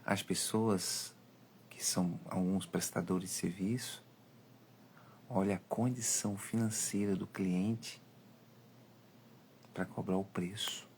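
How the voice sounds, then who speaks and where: Um homem com sotaque brasileiro, falando em uma live de conselhos, em tom enfático e de sermão. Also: male voice, low-pitched, steady tone, slow, long pauses, a little mellow, slight background noise. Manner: emphatic, preachy, acts out dialogues. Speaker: live-stream host. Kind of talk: live monologue, advice talk.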